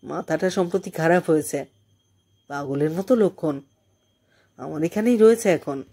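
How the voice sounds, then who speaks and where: A woman's voice: low voice, moderate pace, mellow, breathy edge. A woman storyteller voicing a married man talking to an old friend in a familiar, explanatory manner. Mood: matter-of-fact.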